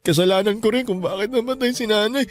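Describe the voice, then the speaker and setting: A man's voice: high voice, fast talker, natural voice. An actor playing a grieving young man who is frightened by his mother's ghost, with emotional radio-drama delivery. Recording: soft music underneath.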